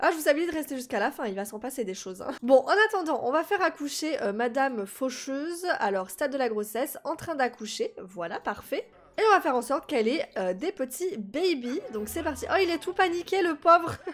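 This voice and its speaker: Speaking at a fairly quick pace with hardly any pauses, a woman uses a high pitch and very wide pitch swings. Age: 20s. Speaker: gaming YouTuber. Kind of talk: casual talk to camera, gameplay commentary.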